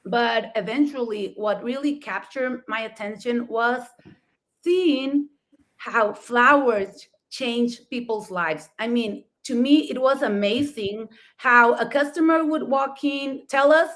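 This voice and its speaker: A middle-aged woman with a Mexican accent and Spanish as her first language tells personal stories on a talk show. Her voice sits on the high side, and she speaks in an effusive, emphatic way. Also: slow pace, fairly bright tone. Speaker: talk show host and florist.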